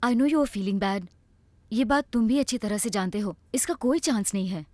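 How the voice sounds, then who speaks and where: An actress playing a woman doctor who speaks calmly and reassuringly to a patient's son. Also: medium pitch, normal speed, no echo, natural voice. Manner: calm, reassuring, mixes English. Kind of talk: film dialogue.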